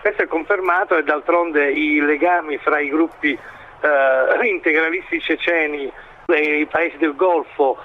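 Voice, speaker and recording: A man with a slightly high voice answers as an expert commentator in an interview. He speaks haltingly, piecing together his analysis. The recording is a little dull, with faint noise behind him. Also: fairly even intonation. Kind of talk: interview analysis of current affairs.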